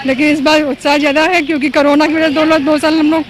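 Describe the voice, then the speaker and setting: A shopper interviewed at a market, speaking in a relaxed, plain way. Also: high-pitched, fast. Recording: loud street traffic noise.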